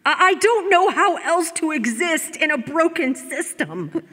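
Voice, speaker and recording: A woman's voice: high-pitched, expressive, unhurried, sharp tone, in a large hall, full character voice. A woman playing weary, worn-down Carol. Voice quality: tired, plaintive.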